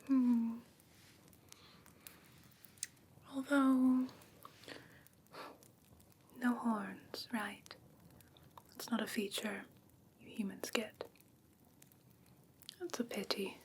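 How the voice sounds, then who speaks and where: Woman doing a soft whispery fae lady for asmr roleplay, super slow n breathy, curious and a bit haughty, some background noise. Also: on the high side. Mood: gently curious. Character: whimsical female fae creature gently inspecting a human pet. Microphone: close ASMR microphone.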